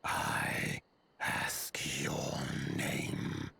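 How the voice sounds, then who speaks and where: A man voicing a stern, proud tribal warrior in a fantasy game, speaking in halting, weighty phrases with a gravelly, husky voice. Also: bright, forceful tone. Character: stern, proud tribal warrior who scorns outside rule. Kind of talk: fantasy video game acting.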